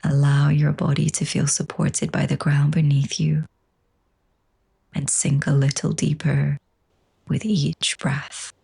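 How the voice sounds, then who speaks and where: A woman teaching yoga nidra, leading a slow guided relaxation in a soft, breathy, husky voice with a gentle, hushed, soothing manner. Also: deep voice, completely flat delivery.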